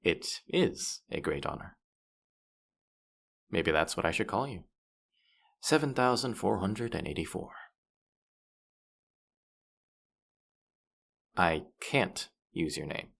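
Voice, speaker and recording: A man plays a smug demon guide of the afterlife in a fantasy audio drama. His voice sits very low with a gravelly fry, and he takes his time over each line. He is playful and teasing, quick to boast and to act wounded. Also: very animated, a bit bright, full character voice. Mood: boastful, teasing. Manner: playful, smug, mock-offended, hesitating mid-thought. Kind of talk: scripted character audio roleplay addressed to the listener.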